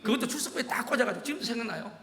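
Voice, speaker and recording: A man's voice: very high-pitched, racing. A man preaching a sermon as pastor, telling stories and firing rhetorical questions at the congregation. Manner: animated storytelling with rhetorical questions. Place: large church sanctuary. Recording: echoey church hall.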